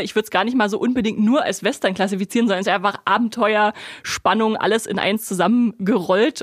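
Woman podcast host chatting about shows, slightly breathy voice, laughs a lot, dry sound. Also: a little high, dry recording. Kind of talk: casual chat reviewing series.

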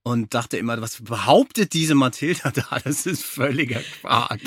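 A man's voice: medium pitch, lively intonation, normal speed, a bit bright, husky, no room sound. A man hosting a podcast in a casual interview style. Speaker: podcast host.

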